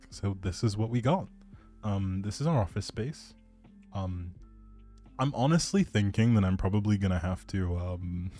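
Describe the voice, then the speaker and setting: Low-voiced man, playful rambling streamer. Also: darkish tone. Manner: playful, self-deprecating, rambling. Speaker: streamer, host. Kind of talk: casual livestream chat, showing a game build.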